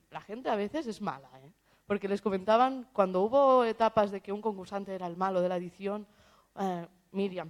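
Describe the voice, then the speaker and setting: Chatty woman telling anecdotes. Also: medium pitch. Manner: chatty, tells anecdotes, acts out quoted voices. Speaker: social media manager. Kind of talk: casual panel conversation. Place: festival stage talk.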